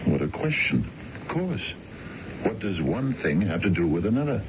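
An American actor playing a self-indulgent middle-aged husband in a radio drama, with a gravelly voice. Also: male voice, lowish voice, sing-song, moderate pace. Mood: defiant, smitten. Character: aging husband smitten with a younger woman, self-indulgent. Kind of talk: 1970s radio drama acting. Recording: dull, noisy old radio recording.

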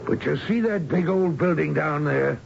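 An actor playing a surly, bullying security enforcer in a radio drama, speaking gruffly and ungrammatically in a gravelly voice. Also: male voice, a little high, moderate pace. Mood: bossy. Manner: gruff, uneducated, ungrammatical speech. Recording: dull, noisy old radio recording.

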